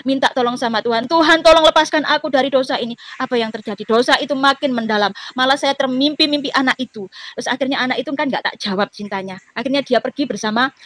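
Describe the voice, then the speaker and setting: A woman's voice: a little high, a bit bright, dry recording. A woman with a Javanese accent giving a personal testimony on a video call, telling her story in a chatty way with many fillers.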